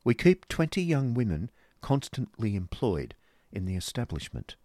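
A man's voice: medium pitch, very animated, normal speed, dark tone, no echo, pitched above the performer's own voice, close to an everyday voice. A man voicing a haughty, businesslike married woman with a genteel, reproving manner in a storybook reading.

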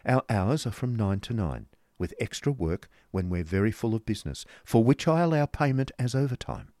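A man's voice: on the low side, animated, normal speed, darkish tone, dry recording, clean studio sound, voice pushed up. A man voicing a haughty, businesslike married woman with a genteel, reproving manner in a storybook reading. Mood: brisk, firm.

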